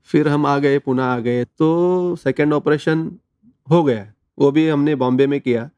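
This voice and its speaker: A man's voice: fairly high pitch, a little slow, darkish tone, clear, resonant tone, no echo. A man, telling a personal story as an interview guest in an earnest, conversational way. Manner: earnest storytelling, mixes in English words.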